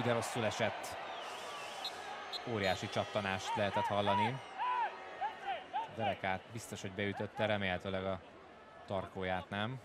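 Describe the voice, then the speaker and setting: Guy doing excited handball play-by-play, lowish voice, huge noisy crowd behind him. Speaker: play-by-play sports commentator. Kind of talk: live handball match commentary. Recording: loud arena crowd noise behind commentary. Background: roaring sports hall crowd.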